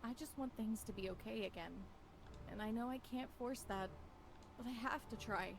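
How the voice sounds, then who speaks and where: An actress playing a weary, anxious wife in a visual novel, speaking a wistful, melancholy inner monologue. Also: female voice, a little high, normal speed, background noise, lightly acted. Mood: anxious, pleading. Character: weary, anxious wife clinging to a broken relationship. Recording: music behind the voice. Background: music.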